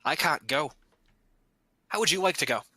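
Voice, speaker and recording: Picture an old centaur ranger in a tabletop game, strict but fair, who rambles along in an easygoing, folksy way, as a game master puts him on. The voice is very bright and close, with a dry sound. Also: male voice, a little high, animated, normal speed, slightly rough, no room sound, heavily acted.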